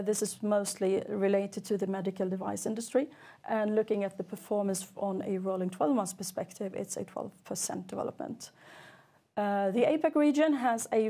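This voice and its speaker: Woman, finance executive, creaky voice, mellow tone, businesslike earnings presentation. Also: mid-range voice. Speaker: chief financial officer.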